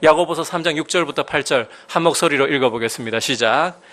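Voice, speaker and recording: A man preaching a sermon as a pastor, emphatic, with sudden rises in pitch and loudness and questions put to the congregation. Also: fast.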